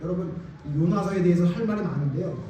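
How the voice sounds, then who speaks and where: A man's voice: sits high, fast, dark tone. A male pastor preaching a sermon, speaking emphatically and firing rhetorical questions at the congregation. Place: church sanctuary. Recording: echoey church hall, distant mic, faint room noise.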